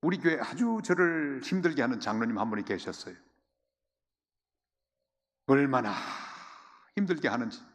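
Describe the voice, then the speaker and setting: A male pastor preaching a sermon with fervor, dropping to quiet asides and rising to loud, urgent exhortation. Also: medium pitch, animated, moderate pace, long pauses. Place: church sanctuary. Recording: long church-hall reverb.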